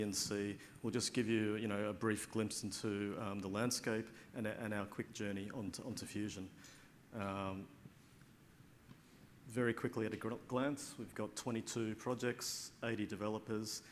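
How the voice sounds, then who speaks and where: Australian man, lowish voice, casual conference talk, lots of ums, faint room hum. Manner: chatty, lots of fillers and restarts. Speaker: conference speaker, data platform lead. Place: conference stage.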